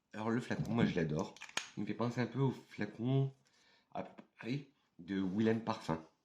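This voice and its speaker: At a moderate pace, a man with a dark, mellow tone speaks with long, frequent pauses. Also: medium pitch for a man, ordinary pitch variation. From France. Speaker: perfume YouTuber and perfume sales advisor. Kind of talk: casual video review. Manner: hesitant, with fillers.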